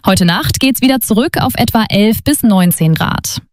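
A woman presenting the local weather on the radio in a brisk, clear read. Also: medium pitch, expressive, no echo, studio quality.

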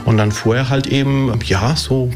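A man's voice: medium pitch, fairly even intonation, moderate pace. A man in his forties, an ice cream maker, talking casually and chattily in an interview with many fillers and easy laughter. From Germany.

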